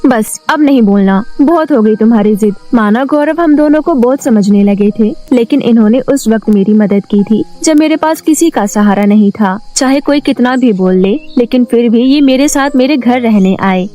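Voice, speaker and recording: A caring mother, played by a woman, firm yet forgiving. Her voice is fairly high, in animated moral-tale style. Music sits behind it. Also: normal speed, hardly any pauses, lightly acted.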